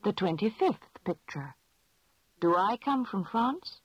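A woman asking measured, clearly spoken questions in a scripted language lesson drill. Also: medium pitch, lively intonation, dry recording. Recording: dull lo-fi dry recording.

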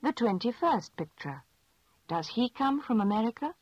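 Female, mid pitch with lively rise and fall, clear teacher prompts, dull dry lo-fi sound. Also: no room sound. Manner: clear, measured prompting questions. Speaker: language lesson speaker. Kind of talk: scripted language drill.

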